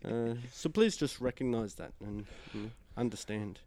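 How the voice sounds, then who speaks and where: A man's voice: mid-range voice, lively intonation, a little slow, warm tone. A young man hosting a casual radio chat show, joking crudely and teasing his guests. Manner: joking, crude, banters and teases. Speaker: host.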